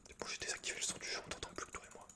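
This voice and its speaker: A man's voice: racing, bright, forceful tone. A man whispering casual ASMR gaming chat as a streamer, swearing freely and repeating short slangy phrases close to the microphone. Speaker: video game streamer and ASMR host.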